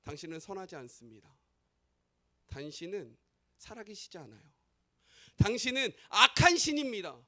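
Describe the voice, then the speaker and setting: A man's voice: high voice, very animated, moderate pace, long pauses, sharp tone, full character voice. A man voicing an angry, grumbling crowd of ancient Israelite men who bitterly accuse their leaders and God. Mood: bitter accusing.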